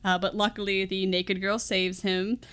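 A woman's voice: medium pitch, flat delivery, normal speed, fairly bright tone, clean tone. A woman hosting a film podcast, chatting casually through a movie scene by scene and often laughing as she talks. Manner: giggly, laughs often while talking.

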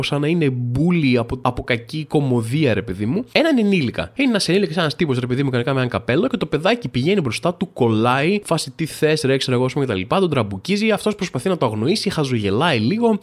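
Podcast guy ranting through a funny story, voice swings all over, kinda high. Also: few pauses. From Greece. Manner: animated, exasperated, comic retelling with acted-out quotes. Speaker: podcast host. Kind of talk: casual storytelling monologue.

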